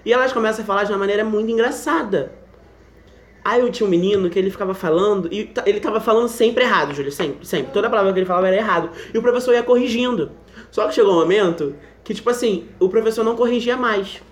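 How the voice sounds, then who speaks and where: Fast-talking Brazilian guy telling a story. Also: sits high, a little hiss or hum. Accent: Brazilian Portuguese. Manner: animated, laughing often, rambling with restarts. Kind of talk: casual storytelling chat. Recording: echoey room.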